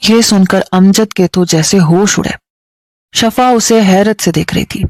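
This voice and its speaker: With no room sound in the recording, a woman narrates a dramatic story in a steady yet emotive manner. She has a medium-pitched voice and a Pakistani Urdu accent.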